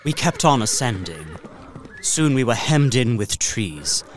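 An actor playing an earnest, uneasy gentleman traveller, narrating his journal in a deliberate, literary gothic drama style. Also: mid-range voice, a little hiss or hum. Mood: ominous suspense. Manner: literary, deliberate, expressive storytelling.

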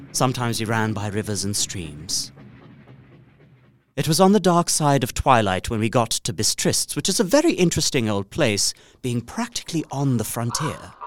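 An actor playing a proper, earnest young English gentleman narrating his journal in an audio drama, precise and expressive. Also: medium pitch, close to an everyday voice. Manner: expressive, precise, faintly bemused.

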